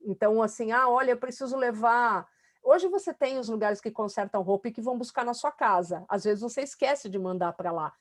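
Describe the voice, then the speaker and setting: A woman's voice: on the high side, expressive, brisk. A middle-aged woman talking in a casual interview, emphatic and talkative, with many fillers. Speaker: student being coached.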